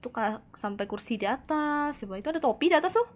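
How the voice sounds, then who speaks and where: A woman streaming a horror game live, chatting excitedly, reacting aloud and answering her chat, tossing in Japanese words. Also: high-pitched, fast. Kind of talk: live gameplay commentary.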